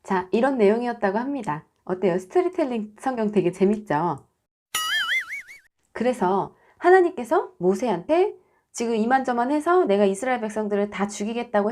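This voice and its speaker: A woman storyteller and host telling Bible stories in a dramatic, expressive way. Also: fairly high pitch. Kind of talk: dramatic Bible storytelling narration with casual asides.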